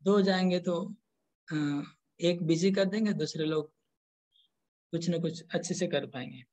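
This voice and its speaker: A man giving a scripture lecture, explaining slowly in short pieces with restarts, and chanting verses. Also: fairly high pitch, a little mellow, rough recording. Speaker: spiritual lecturer.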